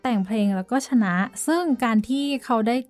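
A woman's voice: a little high, lively intonation, brisk, darkish tone, faint music behind. A woman co-hosting a podcast, telling a story in a chatty, hesitant way and dropping in English words. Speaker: podcast co-host. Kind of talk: casual chat.

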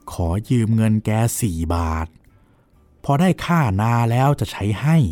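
A courteous young nephew, read by a man tells his elder what happened, his pitch swinging widely as he mimics the people he quotes. The delivery stays deferential and respectful throughout. The voice sounds dry and close, with no room echo. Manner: deferential, recounting events with lively acted quotes. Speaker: reader voicing a character. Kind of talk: dramatized novel reading.

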